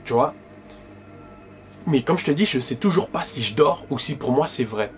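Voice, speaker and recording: A man telling a paranormal storytime to camera in a casual, slangy, animated way, constantly addressing the listener. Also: medium pitch, moderate pace, faint music behind. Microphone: directional microphone.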